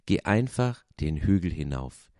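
A man's voice: deep voice, sing-song, unhurried, a little mellow, dry recording, clean studio sound. A man voicing a cheerful wooden puppet girl who talks lightly and carefree.

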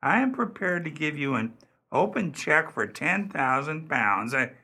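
An actor playing a courteous, stammering jeweler in a radio play, hesitant and formal with a raspy voice. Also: male voice, fairly high pitch, sing-song, unhurried, pushed and bright, heavily acted. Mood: courteous, confident. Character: flustered, eager male jeweler, courteous and self-assured.

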